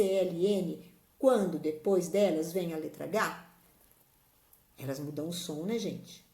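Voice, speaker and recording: A woman's voice: mid-range voice, vocal fry, warm tone, roomy sound. A woman teacher with a Brazilian Portuguese accent, patiently going through spelling rules step by step in a recorded remote lesson.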